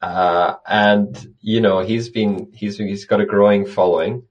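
A man's voice: lowish voice, fairly even intonation, unhurried, muffled recording. A man being interviewed about a conservation project, answering thoughtfully and often restarting his phrases. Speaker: conservation guest.

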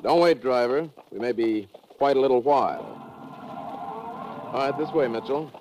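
An actor playing an easygoing, confident submarine commander in a 1950s radio drama, with casual authority. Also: male voice, medium pitch, very animated, moderate pace, a little mellow. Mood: wry, businesslike. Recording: dull, noisy old radio recording.

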